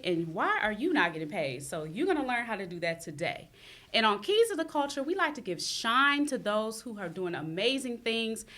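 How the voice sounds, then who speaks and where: A woman's voice: medium pitch, bright, forceful tone. A woman hosting a podcast, introducing her guest in a playful, hype-giving way. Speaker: podcast host. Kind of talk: casual podcast interview.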